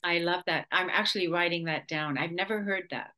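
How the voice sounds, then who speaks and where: A woman's voice: fairly low pitch, a little fast, bright, forceful tone. A woman hosting an interview over a video call, encouraging and affirming her guest. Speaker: host.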